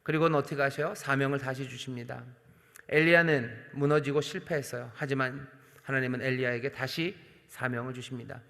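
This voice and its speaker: A man, a senior pastor, preaching earnestly at a night prayer service, addressing the congregation directly with emphatic swells and soft drops. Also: medium pitch, steady tone, brisk, creaky. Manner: addresses the congregation directly and voices God's questions. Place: large church sanctuary. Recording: long hall reverb from church sanctuary.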